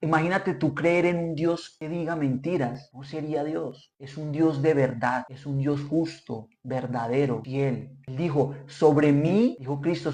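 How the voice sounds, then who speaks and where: A man's voice: mid-range voice, a little mellow. A man giving an informal Bible study, earnest and repetitive, acting out short quotes. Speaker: preacher.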